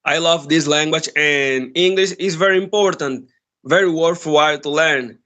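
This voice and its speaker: Friendly Angolan man, higher voice. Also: moderate pace, fairly bright tone. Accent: Angolan Portuguese. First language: Portuguese. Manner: friendly, thoughtful, laughs often. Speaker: conversation partner. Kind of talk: casual chat.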